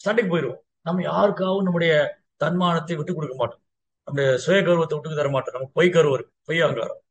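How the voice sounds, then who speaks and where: A man's voice: on the high side, steady tone, fast talker. A male Vaishnava preacher telling a devotional story to a gathering, acting out dialogue and repeating phrases. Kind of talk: sermon storytelling to a congregation.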